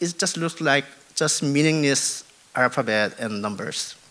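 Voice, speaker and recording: This man has a Korean accent and a fairly high pitch. He speaks at a fairly slow pace with ordinary pitch variation. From South Korea, Busan. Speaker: journalist. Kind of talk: conference talk. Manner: halting, many fillers.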